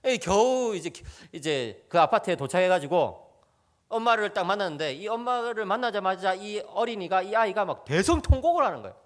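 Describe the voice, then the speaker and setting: A man preaches a sermon in a church, his voice pitched high for a man. His pitch leaps and dips with each turn of his story, and he keeps calling out to the people in the pews. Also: brisk. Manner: animated storytelling, often addressing the congregation. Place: church sanctuary.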